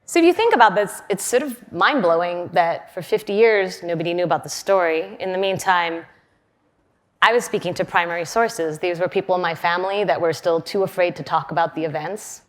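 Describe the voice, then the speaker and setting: Chatty woman giving a conference keynote. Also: fairly quick. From Western Canada. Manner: chatty, with fillers and laughs, lively pitch swings. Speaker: conference speaker. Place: large conference hall.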